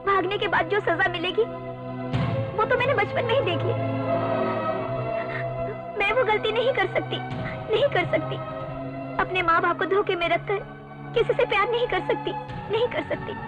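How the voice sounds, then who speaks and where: A woman's voice: very high-pitched, moderate pace, long pauses, muffled recording. An actress playing a frightened young woman in love in a dubbed film, tearful and pleading. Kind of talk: Hindi film dub. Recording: dubbed audio under loud music.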